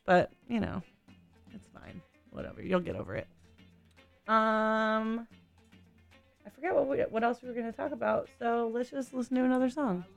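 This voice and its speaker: A woman hosts a community radio show in a loose, chatty way, laughing often and losing her thread. Her voice sits at a middle pitch with a gravelly edge. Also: a little mellow. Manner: giggly, chatty, trails off often. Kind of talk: casual radio chat. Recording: radio studio.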